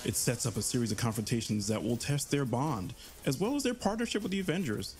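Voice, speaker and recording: A man's voice: mid-range voice, expressive, fast talker. A man, a game developer, narrating a trailer in an earnest, enthusiastic scripted way. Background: soft trailer music.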